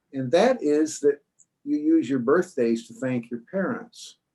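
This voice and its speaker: Very wide pitch swings run through a man's dark, mellow tone as he speaks very slowly in a fairly high pitch. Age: 70s. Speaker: table topics evaluator. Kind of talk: meeting speech evaluation.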